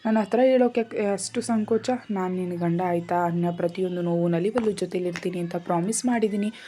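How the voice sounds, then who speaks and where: Gentle young husband, read by a woman. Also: on the low side, brisk, slight background noise, natural voice. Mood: tender. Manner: gentle, coaxing, affectionate. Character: tender caring young husband. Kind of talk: storybook reading.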